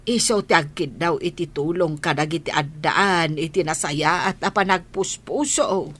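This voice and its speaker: A woman's voice: sits low, moderate pace, a bit bright, breathy edge. A woman voicing a supportive grandmother in an audio drama, speaking reassuringly.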